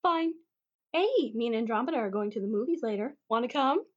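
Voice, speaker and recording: A woman voices a naive young wishing star in a fantasy comedy. She sounds high, girlish and ditzy, with a bubbly eagerness and slightly dull audio. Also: lively intonation, a little fast. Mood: pleading, bubbly.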